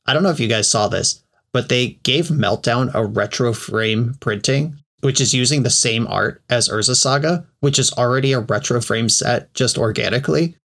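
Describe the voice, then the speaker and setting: A man co-hosting a podcast, talking in a relaxed, chatty and slangy way. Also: medium pitch, moderate pace, vocal fry. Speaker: podcast co-host. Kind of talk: casual podcast chat.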